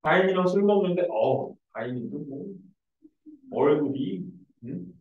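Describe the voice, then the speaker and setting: A man teaching math in a classroom, mixing the lecture with lively, joking stories. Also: fairly high pitch, unhurried. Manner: animated, joking storyteller. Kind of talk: lecture mixed with casual anecdotes. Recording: echoey room, distant dull mic.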